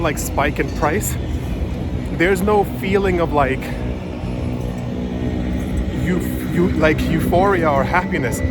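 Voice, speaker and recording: A man filming a casual vlog outdoors, rambling with many fillers and restarts, often keeping his voice low in public. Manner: drops his voice to talk quietly in public. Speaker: crypto vlogger. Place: outdoors on a city street with traffic. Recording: street traffic noise behind.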